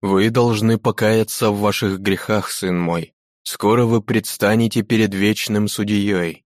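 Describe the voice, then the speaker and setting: A man voicing a Jesuit priest giving last rites with solemn priestly calm. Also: lowish voice, unhurried, no room sound, clean studio sound, close to an everyday voice.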